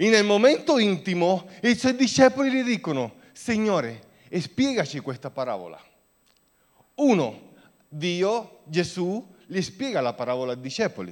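A man with a high pitch talks at a fairly slow pace, his voice moving in very wide pitch swings between long, frequent pauses. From Cuba. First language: Spanish (speaking Italian). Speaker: preacher. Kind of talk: sermon.

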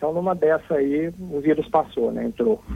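With a fairly high pitch and ordinary pitch variation, a man speaks at a moderate pace. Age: 50s. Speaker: cartoonist, Covid survivor. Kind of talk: radio interview, personal testimony. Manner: halting, repeats words.

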